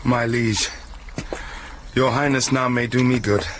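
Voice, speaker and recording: An actor playing an earnest young soldier newly in love, speaking sincerely in Shakespearean stage style. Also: male voice, medium pitch, fairly even intonation, measured pace, background noise, natural voice. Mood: tender.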